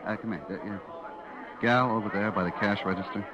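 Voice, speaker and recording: A man's voice: on the low side, steady tone, brisk, a crowd in the background, lightly acted. An actor playing a brash, lovestruck young American supermarket clerk, telling his story confidingly in slangy radio suspense style. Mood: casual, curious. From eastern United States. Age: young adult. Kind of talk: 1950s radio suspense acting, first-person narration. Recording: dull vintage radio recording with music.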